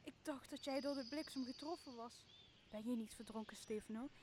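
A young woman playing a timid, excitable castaway, a loyal buddy, with nervous drama in a Shakespeare radio play. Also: fairly high pitch, a little fast, background noise, natural voice. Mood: relieved, excited. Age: young adult. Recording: clear outdoor nature sound behind voice.

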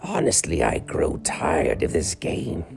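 A man voicing a feeble, small old man with a long white beard in a children's bedtime story, speaking high and slow. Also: sing-song, gravelly, slight background noise, exaggerated voice. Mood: weary.

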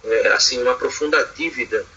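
A man's voice: medium pitch, brisk, sharp tone, slightly rough, muffled recording. A man speaking earnestly as a guest in an online study group, hesitant with many fillers and restarts, over a video call.

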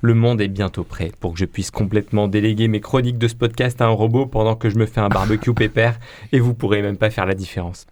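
A man's voice: lowish voice, steady tone, fast, darkish tone. A man presenting a casual radio chronicle, jokey and self-mocking with frequent laughs, into a studio microphone. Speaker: podcast columnist.

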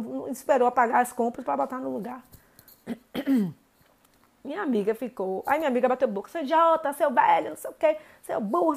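Indignant high-voiced Bahian woman. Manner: indignant, animated, talks to viewers directly. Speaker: vlogger. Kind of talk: casual personal story.

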